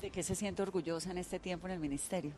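A woman's voice: on the low side, steady tone, fast, warm tone, a little hiss or hum. A woman radio journalist, hosting an interview in an effusive, chatty, gushing way.

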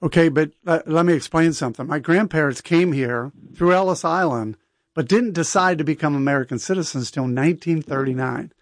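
A man's voice: fairly high pitch, fairly quick, no room sound. Dry-sounding male radio co-host. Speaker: radio talk show co-host. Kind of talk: talk radio debate.

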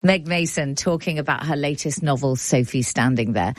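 Low-voiced woman radio arts presenter. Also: moderate pace, no echo. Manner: clear, scripted links, then playful chat. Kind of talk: radio presenting and studio chat.

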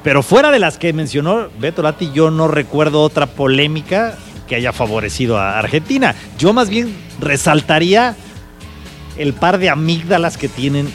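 A man's voice: a little high, expressive, moderate pace, soft background music. A man on a sports panel, giving his views in a conversational, reflective way. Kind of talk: studio panel chat.

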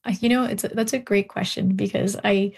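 A woman historian speaks as an interview guest, recounting family stories with animation. She talks openly and laughs easily, her voice at a middle pitch. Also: fairly quick, vocal fry, husky. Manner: warm, animated storytelling, laughs often.

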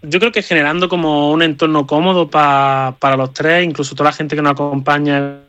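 A man's voice: a little high, flat delivery, a little fast, a bit bright, no echo. A man, a band member giving enthusiastic, rambling answers in a radio interview.

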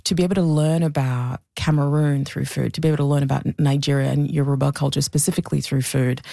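A woman's voice: low-pitched, fairly even intonation, fast, gravelly, mellow, no echo, studio quality. A woman historian answering interview questions thoughtfully, often restarting and repeating words. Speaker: historian and documentary presenter.

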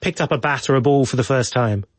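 A man presenting news on the radio from a studio, measured and courteous as he interviews guests. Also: mid-range voice, no room sound.

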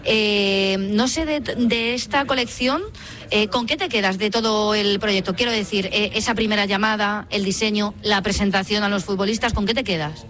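A woman reporter conducts a live interview at a busy event, coaxing her guest with chatty, friendly questions. Her voice sits at a middle pitch. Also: fairly even intonation, normal speed, a bit bright. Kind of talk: on-location interview.

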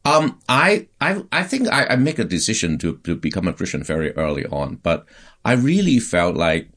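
Super deep-voiced pastor guy from hong kong, lots of uhs and restarts, chatting on a podcast. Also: big pitch swings, moderate pace, a bit bright. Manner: hesitant, many fillers and restarts. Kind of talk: casual conversational interview.

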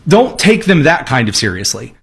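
A man's voice: mid-range voice, very animated, moderate pace, gravelly, a bit bright, husky. A man from Indiana hosting political commentary, mocking and sarcastic, with jokey asides. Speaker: commentary host.

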